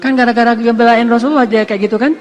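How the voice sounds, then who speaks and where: High-voiced male preacher telling a story. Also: rapid-fire, soft background music. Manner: lively, acts out quoted voices, self-deprecating asides. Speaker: Islamic preacher. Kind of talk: casual storytelling sermon.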